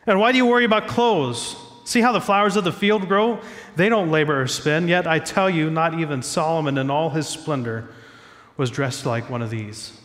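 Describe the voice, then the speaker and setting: A man's voice: on the high side, normal speed, a bit bright. Stuffy-voiced male pastor in a reverberant hall. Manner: conversational, self-joking. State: stuffy from a cold. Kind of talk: sermon. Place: church stage.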